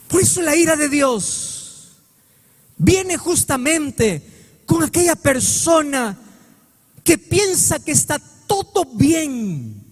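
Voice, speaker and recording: A pastor delivers a passionate sermon in a husky, strikingly high voice that leaps and falls across a wide range. His phrases rise into near-sung cries, then sink to slow, low emphasis. The sound rings with the long reverb of a church hall. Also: darkish tone. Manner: impassioned preaching, swings from high sung cries to low drawn-out words.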